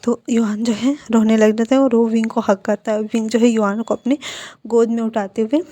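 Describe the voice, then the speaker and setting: A woman narrating a fan fiction story in a quick, plain storytelling manner with small restarts. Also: a little high, level tone, warm tone. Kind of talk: reading fan fiction aloud.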